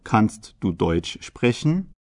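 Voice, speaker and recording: A man playing a young German from Hamburg in a scripted language listening exercise, speaking deliberately and articulating carefully. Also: on the low side, very animated, a little mellow, dry recording, clean studio sound. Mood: plain, measured.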